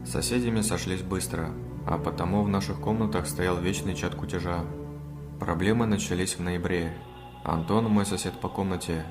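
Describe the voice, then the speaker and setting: Low monotone guy reading a scary story, steady and calm, music going underneath. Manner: calm, measured, even storytelling. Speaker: narrator of a horror story. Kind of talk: scripted horror narration. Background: background music.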